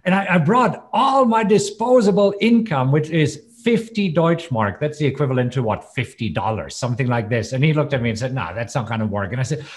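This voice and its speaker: A man's voice: medium pitch, expressive, fairly quick, hardly any pauses, slight background noise. A man in his fifties with a German accent, a native German speaker, telling personal stories conversationally as an interview guest. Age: 50s. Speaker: trading educator, interview guest.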